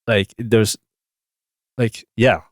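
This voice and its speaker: A young man from Hong Kong, a musician chatting in a studio interview, talking in a relaxed, halting way with many fillers. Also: lowish voice, no echo. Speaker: musician guest. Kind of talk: casual interview chat.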